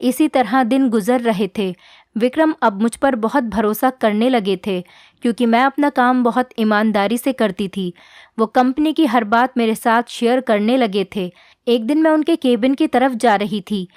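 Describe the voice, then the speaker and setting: Female narrator, earnest scripted storytelling, higher register, dry close-mic sound. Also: normal speed, darkish tone, no room sound. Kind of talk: first-person scripted storytelling.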